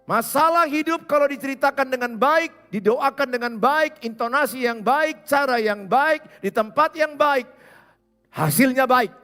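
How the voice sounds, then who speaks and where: High, bright-voiced man preaching. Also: unhurried, faint music behind. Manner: animated, acts out scenes, speaks to the listener directly. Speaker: pastor. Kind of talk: sermon. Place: church.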